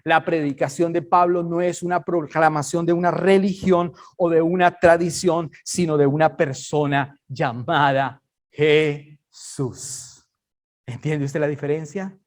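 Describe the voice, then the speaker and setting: Emphatic preacher, conversational. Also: male voice, fairly high pitch, fairly even intonation, unhurried. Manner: conversational, emphatic, checks listeners understand. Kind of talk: Bible study sermon.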